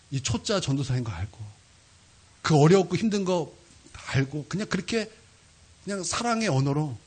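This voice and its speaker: Husky, animated male preacher. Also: on the high side. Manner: animated storytelling with sudden loud peaks. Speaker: pastor. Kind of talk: sermon. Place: church sanctuary.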